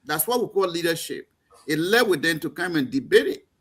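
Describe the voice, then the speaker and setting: A man's voice: on the high side, very animated, brisk, a bit bright, breathy edge. A man with a Liberian accent, speaking as a panel guest in a heated political talk show, impassioned and emphatic with stumbling restarts.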